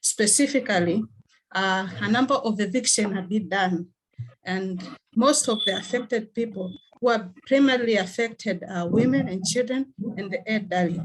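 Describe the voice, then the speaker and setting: A woman's voice: mid-range voice, normal speed, poor audio. Earnest Tanzanian woman at a meeting. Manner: earnest, with fillers and restarts. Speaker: NGO worker. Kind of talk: online meeting remarks.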